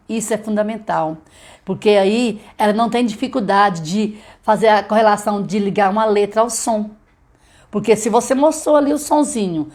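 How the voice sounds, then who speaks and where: A woman's voice: mid-range voice, darkish tone. Woman teacher, middle-aged, live-stream lesson with sound demonstrations and frequent check-ins. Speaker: literacy teacher.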